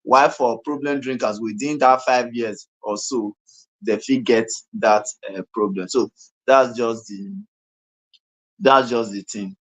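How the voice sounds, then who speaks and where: A man with a Nigerian accent, a doctor giving an informal medical explanation in a halting, repetitive way with questioning tags. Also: mid-range voice, a bit bright, dull audio. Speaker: doctor, guest speaker.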